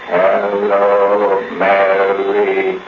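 An actor voicing an obedient hulking robot in a slow, halting monotone for a 1950s radio drama. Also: male voice, low-pitched, soft background music. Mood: flat, obedient. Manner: slow, flat, halting monotone that echoes commands. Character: obedient hulking mechanical man, a slave robot. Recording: dull noisy old radio recording.

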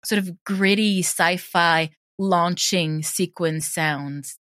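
A woman speaking as an interviewed audio drama creator, explaining her craft in a thoughtful, conversational way with many softeners. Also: fairly low pitch, takes it slowly, dry recording, clean studio sound.

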